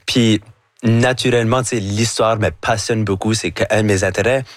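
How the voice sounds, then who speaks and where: A man's voice: on the low side, fairly even intonation, moderate pace, no room sound. A young man with an Acadian French accent, speaking as a drag artist guest in a studio interview, sprinkling English words and fillers through his talk. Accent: Acadian French (chiac). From Acadia, Canada.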